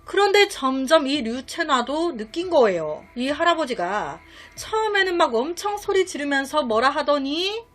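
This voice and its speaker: A woman's voice: high voice, very animated, normal speed, hardly any pauses, fairly bright tone, faint music behind. A woman telling a crime story in a chatty way, with rhetorical questions and asides on what happens.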